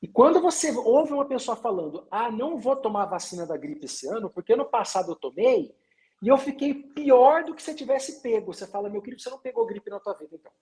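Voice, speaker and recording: A middle-aged male doctor on a live video call with a very expressive, swinging pitch. He tells stories from the clinic and mimics his patients. His tone is chatty and quick to react. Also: low-quality recording. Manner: lively storytelling, quotes patients. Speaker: doctor guest. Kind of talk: casual live-stream medical chat.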